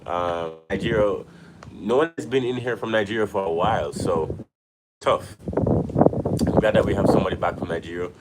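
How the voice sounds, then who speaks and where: A Jamaican man with a low, deep voice hosts a relaxed livestream from his home. He talks loosely and rambles, speaking straight to his viewers. Clear noise runs under his voice throughout. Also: normal speed, pauses often. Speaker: livestream host on money and investing. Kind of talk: casual livestream talk to viewers. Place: at home, with a view behind.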